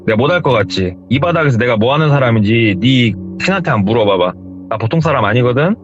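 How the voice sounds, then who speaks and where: A man's voice: medium pitch, expressive, fast, dull audio, music in the background, natural voice. A man voicing a belligerent, hot-tempered young tough guy who bullies and threatens, in a retold horror story. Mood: threatening. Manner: menacing, threatening and bullying.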